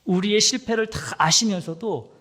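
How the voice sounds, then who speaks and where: A man's voice: high voice, moderate pace, fairly bright tone. A man preaching a sermon as pastor, acting out quoted voices and sometimes dropping to a whisper. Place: church sanctuary. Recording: long hall reverb.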